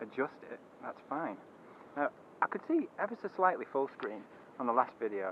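Light background noise sits under a dry sound with no echo as a man talks at a moderate pace. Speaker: drone hobbyist reviewer. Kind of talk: casual tutorial commentary. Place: open country. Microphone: phone near.

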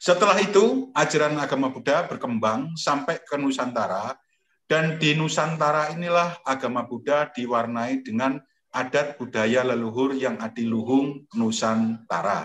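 A man talks at a moderate pace with ordinary pitch variation, and some room echo can be heard. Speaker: meditation teacher. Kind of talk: lecture. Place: home room. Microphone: video call.

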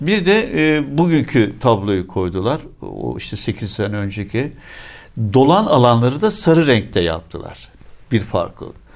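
Vocal fry runs through a man's medium-pitched voice. He speaks at a fairly slow pace with very wide pitch swings. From Izmit, Turkey. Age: 60s. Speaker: TV talk show host. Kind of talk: interview.

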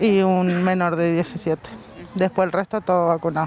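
A woman at a moderate pace, dry sound with no echo, and light background noise. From Argentina. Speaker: reporter. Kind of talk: news interview. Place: open country. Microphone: handheld.

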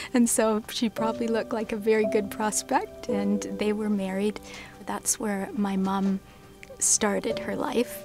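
Her delivery is fairly slow and unhurried. Behind the woman's voice, music can be heard. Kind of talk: interview answer.

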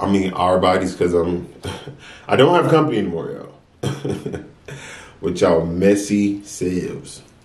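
Audible room echo surrounds a man with a fairly low voice speaking at a moderate pace. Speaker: mukbang vlogger. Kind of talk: casual vlog chat.

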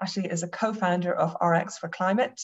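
Against a quiet background, a woman speaks at a moderate pace in a fairly low, somewhat breathy voice. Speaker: conference session chair. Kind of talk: event moderation. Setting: video call. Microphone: webcam.

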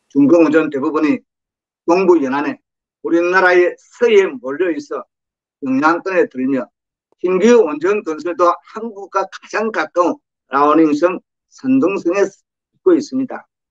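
Long, frequent pauses break up a man's fairly slow speech. His high pitch moves with lively intonation. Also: quiet background. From South Korea. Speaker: pastor and news commentator; pastor, news commentator. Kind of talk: news commentary monologue; prayer. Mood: earnest, admonishing.

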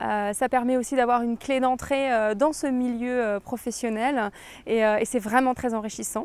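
Speaking at a very slow pace, a woman uses a high pitch and fairly even intonation, with a dry sound and no echo. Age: 30s. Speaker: graduate in career change. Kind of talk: testimonial presentation. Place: open country. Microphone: lapel.

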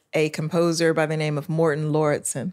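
A woman's very deep, low voice in a very clean recording with a silent background. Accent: American. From Houston, Texas. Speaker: film and TV composer. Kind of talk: casual interview.

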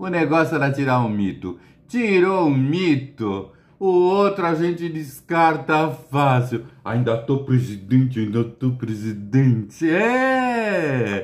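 A man at a very slow pace, with very wide pitch swings. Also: fairly high pitch for a man. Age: 60s. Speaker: political commentator and entertainer; political commentator vlogger. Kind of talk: satirical political rant. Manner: animated. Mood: mocking, sarcastic. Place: home room. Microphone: headset.

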